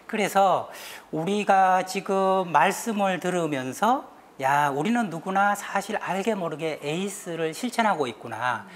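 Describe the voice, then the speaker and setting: A woman giving a lively talk show lecture, acting out little scenes and having the panel repeat her lines. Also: lowish voice, measured pace, hardly any pauses, a little hiss or hum. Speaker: guest lecturer on stress.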